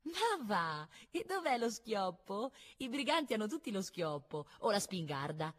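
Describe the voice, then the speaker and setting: A woman's voice: medium pitch, sing-song, measured pace, in a large hall, pitched above the performer's own voice. Woman doing a haughty teasing little girl. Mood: mocking. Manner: mocking, sing-song, imperious.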